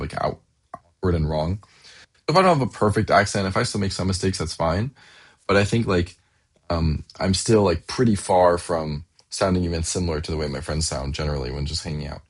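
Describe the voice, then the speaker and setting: Brief: young male vlogger, deep low voice, loose rambly delivery full of ums and restarts. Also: husky. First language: English. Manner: rambling, many fillers and restarts. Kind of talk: casual monthly diary vlog. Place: Seoul, Korea.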